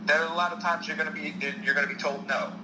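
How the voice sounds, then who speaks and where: Speaking fast in a voice on the high side with fairly even intonation, this South Jersey man, who has a Philadelphia-area accent, works as an actor and stunt performer. On a podcast interview he offers earnest advice and repeats key points to drive them home, over reverberant sound and background noise.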